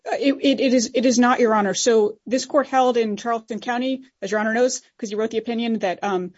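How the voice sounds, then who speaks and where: A woman's voice: fairly high pitch, fairly even intonation, quick pace, a little mellow, dull audio. A woman lawyer making a formal, technical oral argument to judges in an assertive way. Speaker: appellate lawyer.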